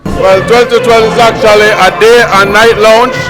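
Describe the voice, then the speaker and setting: A man's voice: high voice, steady tone, moderate pace, low-quality recording. A man with a Jamaican accent, a lounge owner talking earnestly about his business in an on-site interview. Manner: earnest, promotional. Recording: loud music and crowd behind.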